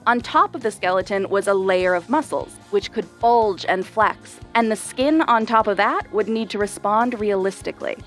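A woman giving scripted narration for an explainer video, clear and measured. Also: medium pitch, soft background music.

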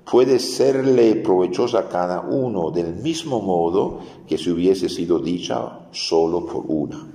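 A man, a priest, giving a catechism lesson for adults and explaining slowly, often repeating his key phrases. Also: low-pitched, dark tone. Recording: echoey hall with long reverb.

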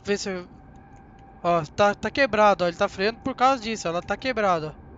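Young Brazilian man, very high voice, chatty gameplay commentary, faint engine noise behind. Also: fairly quick, lo-fi sound. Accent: Brazilian Portuguese. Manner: chatty, excitable, talks straight to viewers. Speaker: gaming channel host.

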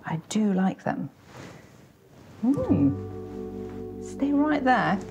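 A woman in her forties, an antiques expert presenting to camera with animated, theatrical storytelling inside a large shop. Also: a little high, extremely slow, dull audio, music in the background.

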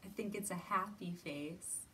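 A woman in her thirties gently guiding young children through a lesson, asking simple encouraging questions and pausing often. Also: on the low side. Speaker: children's storytime host. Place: indoor library room with bookshelves. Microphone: camera a few feet away. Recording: distant mic, roomy ambient noise.

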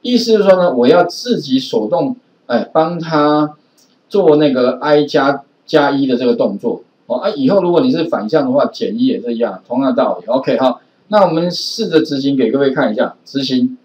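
With a mid-range, slightly mellow voice and lively intonation at a moderate pace, a male teacher delivers a programming lecture in a Taiwanese Mandarin accent. His style is conversational, packed with filler particles, and the classroom recording is distant, roomy and dull.

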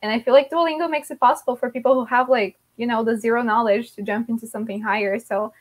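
A woman's voice: on the high side, steady tone, fast talker. A woman hosting an online club interview, chatty, with many likes and restarts. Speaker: host of an English learners' club. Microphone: video call.

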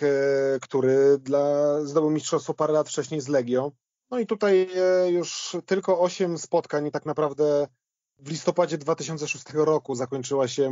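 Guy chatting about old football, bit high voice, stop-start delivery, kinda muffled lo-fi audio. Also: darkish tone, no echo. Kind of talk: conversational football retrospective.

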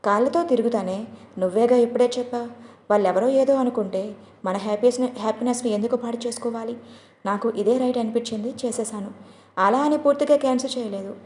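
A woman voicing a young college woman heroine who coaxes and pleads softly, in a roomy recording. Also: on the high side, fast, lightly acted. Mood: pleading. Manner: coaxing, pleading. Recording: roomy echo.

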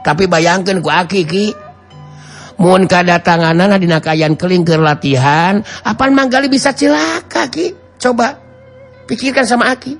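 A boastful fighter played by a man from a radio tale, whining and wheedling in a Sundanese accent. The voice is pushed high and keeps repeating its complaints. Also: normal speed, faint music behind. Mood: pleading, whining. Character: boastful, whining male martial fighter, comically pleading.

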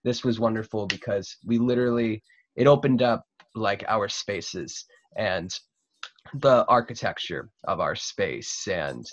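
A young man with a lowish voice hosts a casual chat in an informal, halting way. He is recorded close and dry on a video call, with slightly muffled, lo-fi sound. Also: no echo. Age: young adult. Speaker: host. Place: small cluttered room at home. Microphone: computer mic on a video call.

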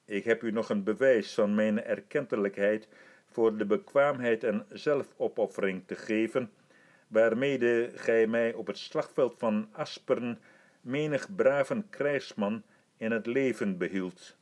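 A gracious old emperor, put on by a male reader of an old storybook, speaking with slow, deliberate dignity. His words come out formal and measured, full of calm command. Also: on the low side, close to an everyday voice. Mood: stately. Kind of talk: audiobook reading.

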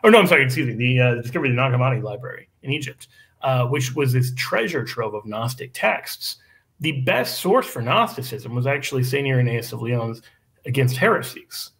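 A man in his thirties, a guest on a podcast, making an animated, argumentative case over a video call. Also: mid-range voice. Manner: animated, argumentative, quick asides. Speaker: guest apologist. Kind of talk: casual podcast discussion. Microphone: video call microphone.

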